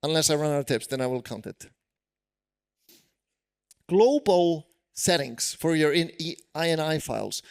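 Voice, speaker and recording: Icelandic guy presenting dev tips at a conference, kinda higher voice, casual and self-deprecating. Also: expressive, moderate pace, creaky, long pauses, darkish tone, clean tone. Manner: chatty, self-deprecating, many fillers. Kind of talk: live conference tech talk. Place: conference hall stage.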